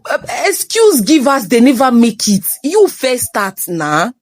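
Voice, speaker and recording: A young Nigerian woman hosts a motivational talk, slipping between English and Pidgin as she teases and scolds. Her voice sits fairly high and jumps all over the place. It is recorded on a phone, close and dry. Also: big pitch swings, a little slow, no echo. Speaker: host.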